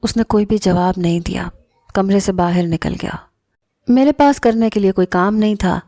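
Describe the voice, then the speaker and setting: A woman narrating a first-person story in a calm, measured storytelling manner. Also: mid-range voice, no room sound, studio quality. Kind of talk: scripted narration.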